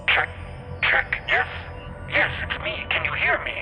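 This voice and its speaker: An actor playing a bewildered lost man, calling haltingly over a crackly radio in an audio drama. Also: music in the background. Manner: halting, uncertain. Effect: crackly radio filter.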